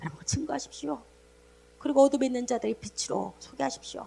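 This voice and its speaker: A high-pitched woman talking very fast with very wide pitch swings, over noticeable background noise. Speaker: pastor. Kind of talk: sermon. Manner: speeds up when excited; sometimes broken, halting phrasing.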